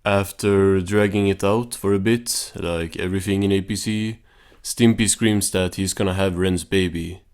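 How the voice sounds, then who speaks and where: Deep-voiced man doing casual deadpan recaps. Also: normal speed, clear, resonant tone. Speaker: cartoon recap host.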